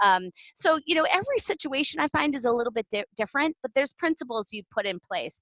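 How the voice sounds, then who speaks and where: Very fast and with very wide pitch swings, a woman with an American accent has a bright, sharp tone in a dry, close sound with no echo. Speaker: marketing executive. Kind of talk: interview. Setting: podcast.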